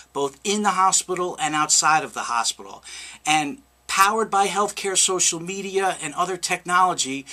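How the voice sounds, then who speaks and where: A middle-aged man, a patient advocate, tells an anecdote and then gives an earnest fundraising pitch for his nonprofit. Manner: lively storyteller, earnest and promotional.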